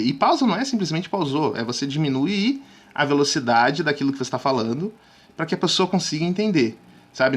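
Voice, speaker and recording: A man teaching communication skills in a casual video lesson, talking straight to viewers with frequent check-ins and sudden drops to a hushed voice. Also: a little high. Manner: lively, drops suddenly to near-whispers to show technique; chatty, addresses viewers directly with frequent "tá?". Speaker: communication coach.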